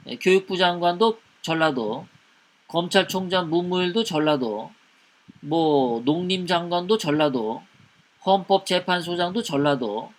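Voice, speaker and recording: A man's voice: on the high side, fairly bright tone. A man a hosting a live political commentary show, reading out viewer comments many hesitant fillers.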